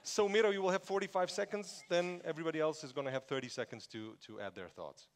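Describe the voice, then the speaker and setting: A man moderates a business panel on a conference stage. He keeps things moving and calls on each speaker by name. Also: fairly high pitch. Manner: brisk, prompting speakers by name.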